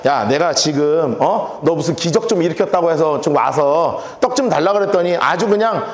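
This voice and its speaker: A man's voice: a little high, animated, moderate pace, voice pushed down. A pastor acting out a sneering villager man. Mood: taunting. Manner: taunting, scoffing, rough. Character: sneering villager man mocking a neighbor's son. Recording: echoey church hall.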